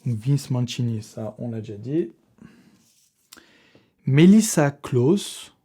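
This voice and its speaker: A man's voice: mid-range voice, sing-song, slow pace, dark tone, husky. A young man hosting a casual vlog giveaway, talking in slangy, chatty French with frequent swearing and laughs. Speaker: fitness youtuber running a giveaway draw. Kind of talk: casual vlog talk to camera.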